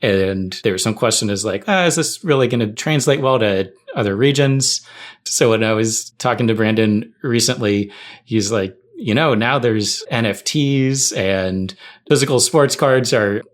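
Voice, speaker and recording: A man's voice: fairly low pitch, measured pace. A man telling anecdotes casually as a guest on a podcast. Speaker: podcast guest, tech writer.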